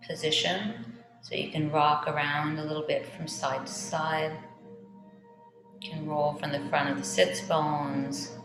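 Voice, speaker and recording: Low-voiced woman guiding meditation in echoey space. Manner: gentle, unhurried, soothing. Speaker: yoga and meditation teacher. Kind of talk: guided meditation instruction. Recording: echoey reverberant room with music behind.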